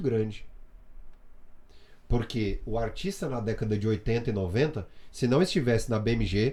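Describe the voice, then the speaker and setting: A man speaks at a moderate pace with lively intonation, a somewhat breathy quality and a dark, mellow tone. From Brazil, Goiânia (Goiás). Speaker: Portuguese language expert and writer. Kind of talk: podcast interview.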